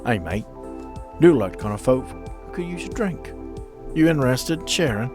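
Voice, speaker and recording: A man voicing a friendly, courteous stranger in a tabletop game, smooth-talking and folksy as he offers a deal. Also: medium pitch, lively intonation, moderate pace, music in the background, lightly acted. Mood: friendly, inviting. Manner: genial, folksy, courteous salesman patter.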